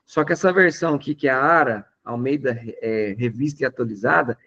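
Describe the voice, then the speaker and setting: A man with a Brazilian Portuguese accent preaching a lively, conversational sermon. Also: medium pitch, fairly quick, dull audio, a little hiss or hum. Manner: animated, emphatic, conversational preaching. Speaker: pastor.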